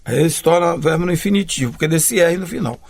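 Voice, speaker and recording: A man's voice: fairly high pitch, creaky. A male grammar teacher giving a lesson, spelling out letters one by one and answering his own questions. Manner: slow, deliberate, spells out letters and pauses between phrases. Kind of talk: recorded classroom lesson.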